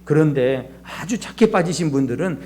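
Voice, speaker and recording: A male pastor preaches in a church sanctuary, talking to the congregation in a chatty, questioning way. His voice sits a little higher than most men's, and he slips into playful voices for everyday people. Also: expressive, normal speed, a little mellow, a little hiss or hum. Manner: conversational, asks the congregation rhetorical questions; acts out everyday speakers with changed voices. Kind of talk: sermon.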